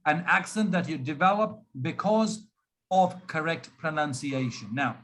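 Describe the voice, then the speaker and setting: Indian male trainer, high voice, slow careful drilling, video call. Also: animated, fairly bright tone. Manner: drills words slowly, mixes in Hindi. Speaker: pronunciation trainer. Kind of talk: online pronunciation coaching.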